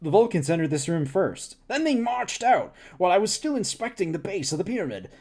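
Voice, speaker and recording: A man's voice: sits high, very animated, fairly quick, darkish tone, voice pushed up, heavily acted. A man voicing an eager, chatty male alien scientist who lectures and rambles, while reading a novel aloud on a stream. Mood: eager lecturing.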